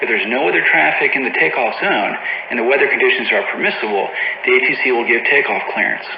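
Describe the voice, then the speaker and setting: A man reading scripted instructional narration for a flight simulator tutorial in a measured, matter-of-fact, procedural manner. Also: mid-range voice, vocal fry. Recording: dull, roomy lo-fi audio with faint noise.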